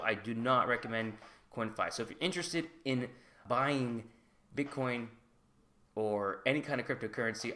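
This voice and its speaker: A man's voice: medium pitch, a bit bright. A man talking casually to camera in his channel video, candid and hedging as he shares his own experience. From United States. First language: English. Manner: chatty and candid, hedging with "like" and "I guess". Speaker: vlogger.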